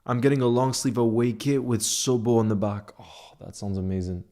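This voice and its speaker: This football fan streamer speaks at a medium pitch in a steady, mellow tone and at normal speed. He runs a casual livestream, reading out comments from viewers and responding informally, often saying phrases twice to stress them.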